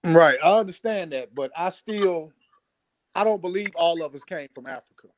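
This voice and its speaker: A man in an informal debate, speaking haltingly as he firmly holds his position. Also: a little high, lively intonation, no room sound. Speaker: debate participant.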